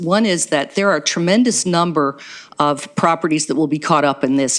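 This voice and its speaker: A woman talks at a moderate pace in an ordinary speaking voice, fairly low in pitch. Her pitch variation is ordinary. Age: 60s. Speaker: resident speaking at council meeting. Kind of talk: public meeting statement. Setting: town hall council meeting. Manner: formal.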